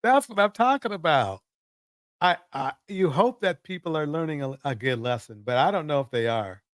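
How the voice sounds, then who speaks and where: Male reaction host, somewhat high voice, informal running commentary with emphatic repeats, close dry recording. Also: lively intonation, moderate pace, a bit bright, dry recording. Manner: chuckling, repeats himself for emphasis. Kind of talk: casual live reaction commentary.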